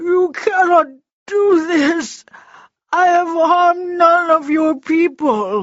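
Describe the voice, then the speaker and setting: Shouting in a put-on character voice, the speaker hits an extremely high pitch. The pace is very slow. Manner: screaming, pleading, desperate.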